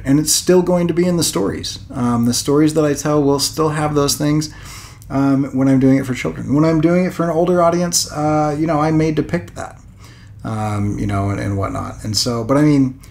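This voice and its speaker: A man in his late thirties talking casually as a vlog host, thinking aloud in a rambling way with hesitant pauses and repeated words. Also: medium pitch, darkish tone. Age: late 30s. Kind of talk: casual unscripted vlog musing.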